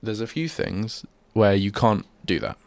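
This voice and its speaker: A man's voice: fairly low pitch, expressive, measured pace, gravelly, no echo. A male radio host with a stuffy head cold, chatting in a rambling, self-deprecating way at a studio microphone. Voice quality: bunged-up, nasal. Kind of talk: casual solo radio chat.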